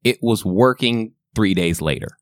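A man's voice: fairly low pitch, normal speed, no echo, clean studio sound. A man co-hosting a podcast, joking around in a mock-earnest, casual way. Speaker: podcast co-host. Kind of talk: casual comedic chat.

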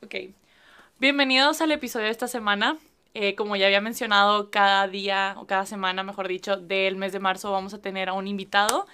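A woman's voice: mid-range voice, steady tone, a little fast, sharp tone, clean tone. Chatty young woman host. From northern Mexico. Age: young adult. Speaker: podcast host. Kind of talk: casual podcast conversation.

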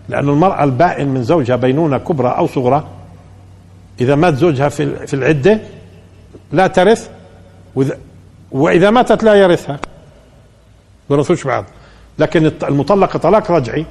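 A man's voice: on the high side, creaky, darkish tone. A man with a Palestinian accent, a sheikh giving a colloquial religious lesson, talking conversationally and answering his own rhetorical questions. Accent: Palestinian Arabic. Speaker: sheikh teaching Quran commentary.

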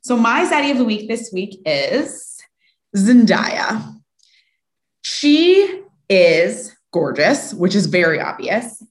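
Woman podcast host in an echoey room. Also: fairly low pitch. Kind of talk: casual podcast chat. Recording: roomy, echoing sound.

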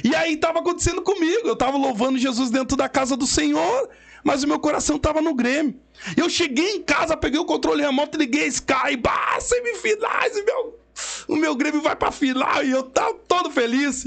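A man's voice: very high voice, quick pace, gravelly, a bit bright. A man with a Southern Brazilian gaúcho accent giving an emphatic, preacherly religious testimony as an interview guest. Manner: emphatic, preacherly, quotes scripture. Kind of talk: emotional storytelling testimony.

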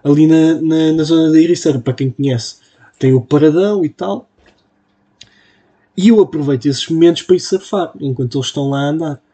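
Young man, European Portuguese accent, husky mellow voice, solo podcast ramble. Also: fairly high pitch, brisk. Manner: rambling, self-mocking, full of fillers. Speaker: podcast host. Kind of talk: casual solo podcast monologue. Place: home room at a computer. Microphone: computer mic.

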